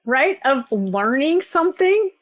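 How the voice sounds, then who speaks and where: A woman's voice: sits high, very animated, slow pace. Engaged woman hosting an interview. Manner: engaged, rambling setups. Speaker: podcast host. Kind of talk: interview chat.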